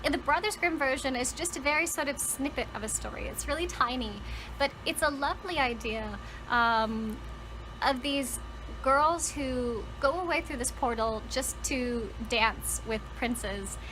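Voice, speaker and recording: A woman's voice: sits high, unhurried, a bit bright, slight background noise, low-quality recording. A woman talking casually and enthusiastically to viewers as a book vlogger, conversational and leaning on words for emphasis. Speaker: book vlogger and storytelling channel host.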